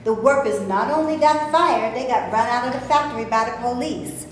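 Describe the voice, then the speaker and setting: An actress in a staged reading playing a skeptical, sardonic Black actress from the 1930s. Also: female voice, fairly high pitch, normal speed, natural voice. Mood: wry. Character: Black actress of the 1930s, wary, wry and outspoken. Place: stage before a live audience. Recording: very echoey room, faint noise.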